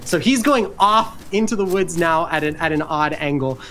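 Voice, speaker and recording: Game master, woman, low register, narrating play over soft music. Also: normal speed. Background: faint music.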